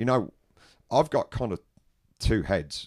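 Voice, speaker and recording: Spoken at a moderate pace in a Birmingham accent. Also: man. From England. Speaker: metal band vocalist. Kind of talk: casual interview. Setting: backstage crawl space at a venue. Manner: halting.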